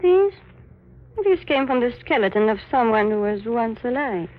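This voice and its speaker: A woman's voice: on the high side, expressive, moderate pace, darkish tone, close to an everyday voice. An actress playing a sinister, commanding supernatural woman, poised and taunting, in 1940s radio horror style. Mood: taunting menace. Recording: noisy old radio recording.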